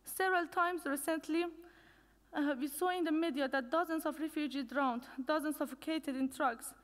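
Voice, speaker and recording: A woman's voice: sits high, fairly even intonation. A young woman from Iran, an English speaker, gives an earnest prepared conference speech with a few restarts. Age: young adult. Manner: measured, earnest, reads from notes with restarts. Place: conference hall. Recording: long reverb of a lecture hall.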